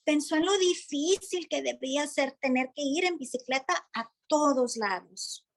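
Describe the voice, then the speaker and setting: A woman's voice: sits high, normal speed. A woman reading a children's story aloud, as a narrator for young listeners. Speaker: Spanish translator-reader of a children's book.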